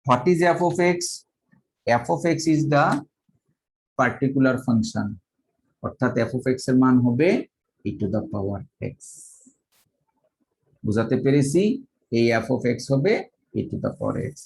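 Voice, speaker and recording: A man from Bangladesh lecturing on math, talking slowly and methodically and dictating each formula step by step. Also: medium pitch, expressive, creaky, darkish tone, low-quality recording.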